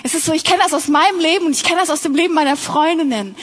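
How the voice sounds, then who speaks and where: A woman's voice: high voice, fast, fairly bright tone. A young adult woman giving an earnest, personal sermon, talking directly to other women in her audience. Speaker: speaker at a Christian talk.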